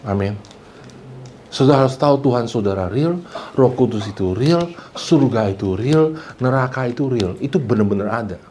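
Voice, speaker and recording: A man preaching a church sermon, mixing English phrases into his talk and swinging between loud, high emphasis and low, quiet asides. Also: lively intonation, normal speed, a little hiss or hum. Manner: mixes English phrases into preaching, repeats "saudara" and "amin". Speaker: pastor.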